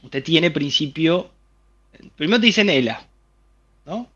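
In a muffled recording, a male speaker with a slightly high, fairly bright voice talks at a measured pace and with plenty of animation. Using a Rioplatense Spanish accent, he lays out a health theory during an interview, addressing the listener directly with vivid scenes from daily life.

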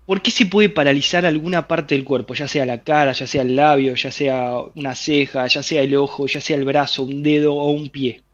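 This man's voice is mid-range, with fairly even intonation, a moderate pace and few pauses, heard through lo-fi audio. He has a Rioplatense Spanish accent and is giving animated explanatory interview talk about a health theory, illustrating it with lively everyday scenarios aimed right at the listener.

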